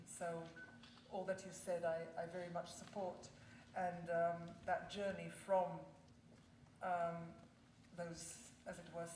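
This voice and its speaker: A woman from Israel delivers a conference talk in a low, fairly flat voice, pausing often with ums as she picks her words. She is picked up from some distance in a roomy, echoing hall with faint background noise. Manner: thoughtful, hesitant with many fillers. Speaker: conference speaker. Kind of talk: public talk. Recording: echoey room, mic at a distance.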